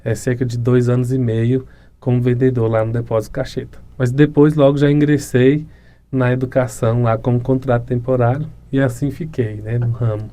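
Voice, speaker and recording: A man's voice: medium pitch, flat delivery, normal speed, dark tone. A man in his thirties with a Goiás Brazilian accent, answering interview questions earnestly and reflectively, often ending phrases with a tag question. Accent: Brazilian Portuguese, Goiás. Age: 30s. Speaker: municipal education secretary, guest.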